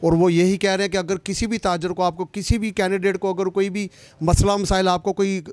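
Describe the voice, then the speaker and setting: Male trader appealing to peers, slightly high voice, dry mic. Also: level tone, fairly quick, a little mellow, no echo. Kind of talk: interview answer. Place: crowded indoor office. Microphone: handheld mic.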